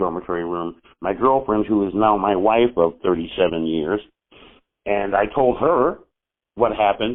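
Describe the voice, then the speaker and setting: A man speaks at a fairly low pitch with ordinary pitch variation. His pace is moderate. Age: 60s. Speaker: rock vocalist and guitarist. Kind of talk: interview storytelling. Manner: halting, many repeated words.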